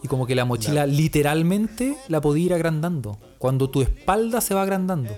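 A man's voice: fairly high pitch, expressive, a little fast, warm tone, soft background music. Chilean man swearing through a casual rant. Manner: heavy slang and swearing, exasperated comic exaggeration. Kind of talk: casual comic storytelling chat.

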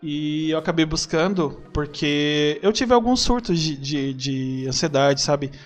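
A young Brazilian man chatting as a podcast guest, animated and acting out bits of dialogue. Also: a little high, measured pace, faint music behind. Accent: Brazilian Portuguese. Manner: animated, acts out quoted dialogue. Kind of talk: casual chat.

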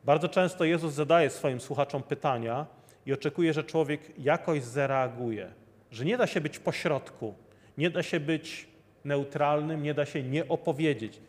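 A man's voice: fairly high pitch, moderate pace. Earnest male preacher in a reverberant hall. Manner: earnest, repeats rhetorical questions to the listeners. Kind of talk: sermon.

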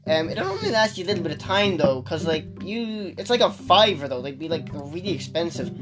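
A man's voice: fairly high pitch, sing-song, a little fast, music in the background. Irish guy rambling on a podcast, lots of ums, phone mic. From Ireland. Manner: rambling, many restarts and fillers. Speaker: podcast co-host. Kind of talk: casual chat. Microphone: phone on the table.

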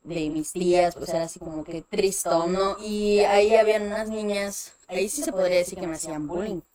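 A young Mexican woman with a Mexican accent, telling personal stories in a casual chat, full of fillers and animated asides. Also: mid-range voice, brisk. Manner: chatty, animated, many fillers like "este". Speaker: guest.

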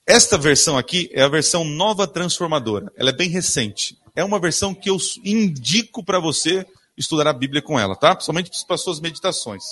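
A man's voice: fairly high pitch, lively intonation, a little fast, few pauses, a bit bright. A man preaching a sermon, reading Bible verses aloud and questioning his congregation in a church. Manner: asks the congregation questions and answers them himself.

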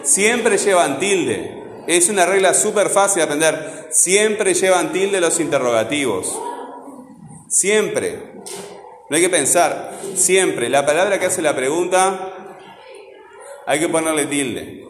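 A male teacher, patiently drilling a class and repeating phrases slowly. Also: on the high side, a little hiss or hum. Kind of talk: classroom lesson. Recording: echoey classroom with long reverb.

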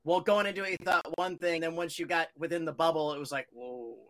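A panel moderator speaking in a relaxed, teasing way while leading questions. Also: medium pitch, fast. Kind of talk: hosting a panel.

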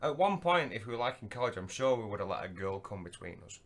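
A man's voice: on the low side, big pitch swings, quick pace, a bit bright. A man co-hosting a comedic show, throwing in teasing, dry quips and calling his partner "mate.". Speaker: co-host. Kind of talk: banter.

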